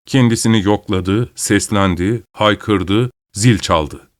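A man reading a story aloud as narrator in a slow, measured way. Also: lowish voice, no echo, clean studio sound. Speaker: audiobook narrator. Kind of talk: scripted narration.

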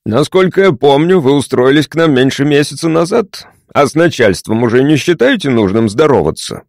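A man's voice: medium pitch, sing-song, a little fast, creaky, darkish tone, no echo, clean studio sound. A man voicing a stern elderly male professor who scolds stiffly. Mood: scolding.

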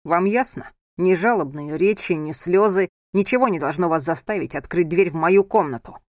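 A woman reading aloud and voicing an angry, controlling young husband who scolds his wife in a low, hard tone. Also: moderate pace, no echo, clean studio sound, natural voice. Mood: commanding. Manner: harsh, scolding, hard-edged.

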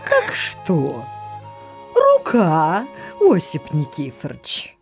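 Flirty village temptress, very swoopy n unhurried, audio play, bit of music behind. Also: female voice, low-pitched, wildly swooping pitch, full character voice. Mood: coy, flirtatious. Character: coquettish, teasing village temptress. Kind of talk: theatrical audio drama acting.

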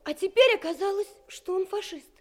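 A woman's voice: very high voice, fairly quick. A woman playing a brave, earnest young daughter of a Soviet commander in a radio drama, speaking simply like a child. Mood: subdued, grave.

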